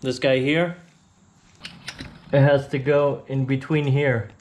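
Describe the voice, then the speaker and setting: Man giving a relaxed garage repair how-to. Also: medium pitch, slow pace, slight background noise. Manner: relaxed, plainspoken, explains step by step. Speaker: motorcycle channel host. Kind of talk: casual how-to tutorial.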